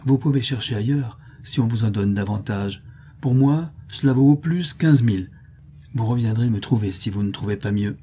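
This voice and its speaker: A man's voice: medium pitch, fairly even intonation, moderate pace, warm tone, husky, lightly acted. A man voicing a shrewd male jeweler who speaks in a dry, curt tone.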